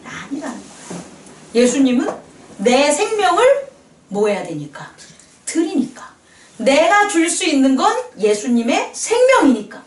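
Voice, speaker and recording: A woman pastor preaches with a high, lively voice that swings up and down. She acts out little quoted voices and laughs between points. Her voice is picked up from a distance and rings around an echoey church hall. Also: unhurried. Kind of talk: sermon.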